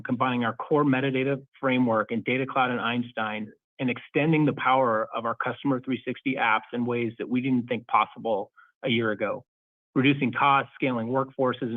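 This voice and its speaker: A male company executive delivers prepared remarks for an earnings call. His voice sits at a medium pitch, and his delivery is formal and measured. The sound is thin and band-limited like a telephone conference line, with no room reverb. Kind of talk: scripted earnings call presentation. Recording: phone-like narrowband conference call audio.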